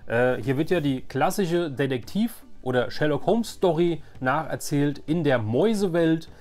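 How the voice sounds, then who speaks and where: A man's voice: fairly high pitch, expressive, normal speed, darkish tone, faint music behind. A man in his forties chatting casually and enthusiastically in a nostalgic vlog, rambling and repeating himself for emphasis. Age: 40s. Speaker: YouTube host. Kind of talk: casual nostalgic vlog chat about collecting.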